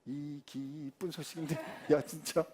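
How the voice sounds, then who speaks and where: Animated male pastor preaching. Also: a little high, measured pace, breathy edge. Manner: animated, colloquial, swings from loud to hushed. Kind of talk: sermon.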